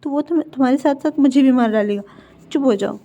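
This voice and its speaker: A woman voicing a gentle, worried middle-aged mother who hushes and soothes, in a dull lo-fi recording. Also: high voice, brisk.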